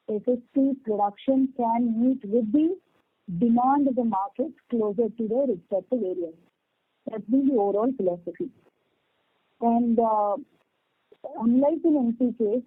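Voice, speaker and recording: A woman with an Indian accent speaking as a company executive, explaining business matters in a measured, methodical way on an earnings call. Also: on the high side, no room sound. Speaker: company executive answering analysts. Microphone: conference call phone line. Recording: tinny phone line, dry.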